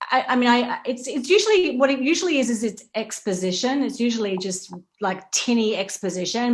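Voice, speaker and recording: A woman speaking informally as a panelist, animated and conversational, illustrating her points with examples. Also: on the high side. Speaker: panelist, playwriting teacher.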